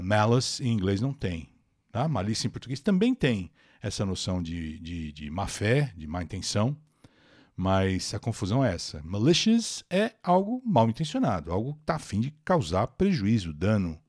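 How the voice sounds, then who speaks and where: Man, Brazilian accent, English teacher, live lesson, very animated pitch, dry close sound. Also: no echo. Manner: explanatory, answers viewers' comments as he goes; reads English text aloud, then translates.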